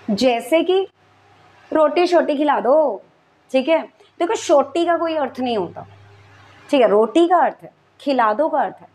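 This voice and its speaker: A woman with a high voice runs a school grammar lesson. She explains patiently, one step at a time, and keeps checking that her students follow. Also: a little mellow. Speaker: Hindi grammar teacher.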